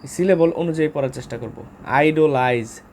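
A man with a Bangladeshi accent teaches English vocabulary in a casual lesson, talking informally with frequent filler sounds and spelling words out letter by letter. His voice is fairly high with a darkish tone at normal speed, with slight background noise.

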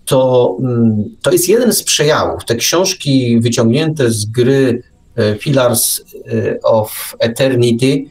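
A man's voice: mid-range voice, slow, a little mellow. A man hosting an unscripted radio discussion, digressing and often restarting his phrases. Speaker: radio show host and book enthusiast. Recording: distant mic with faint background noise.

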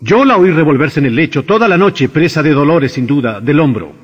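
An actor playing a tormented doctor who speaks with agitated, pleading exclamations in an old radio drama. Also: male voice, a little high, animated, fairly quick, slightly rough. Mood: anguished. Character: anguished male doctor, torn and desperate. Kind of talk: vintage radio drama acting. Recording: muffled old radio recording with reverb.

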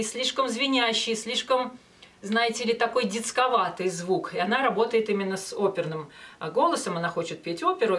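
A woman in her forties teaching as a vocal coach, explaining step by step with hesitant pauses between phrases. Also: on the high side, fairly bright tone. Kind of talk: instructional talk with short sung demonstrations. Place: small indoor studio with banner backdrop. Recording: voice some distance from mic.

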